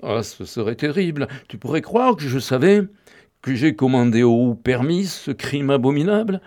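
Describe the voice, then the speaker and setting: A man reading aloud and voicing a desperate, tearful young woman who stammers and pleads, her voice climbing higher. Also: animated, normal speed, darkish tone, natural voice. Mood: pleading. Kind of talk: audiobook reading.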